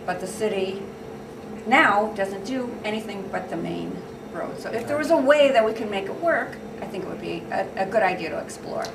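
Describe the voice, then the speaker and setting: A woman's voice: medium pitch, lively intonation, normal speed, gravelly, echoey room, recorded from a distance, noisy background. A woman, an alderman seeking re-election, listing her plans in long upbeat run-on sentences. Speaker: city alderman running for re-election. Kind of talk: interview answers.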